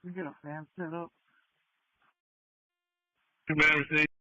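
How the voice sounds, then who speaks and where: Sharp, forceful male firefighter on two-way radio. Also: fairly high pitch, level tone, a little slow, dry recording. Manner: clipped, procedural commands and reports. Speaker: firefighter on an incident radio channel. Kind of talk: terse emergency radio traffic. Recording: dull, band-limited two-way radio.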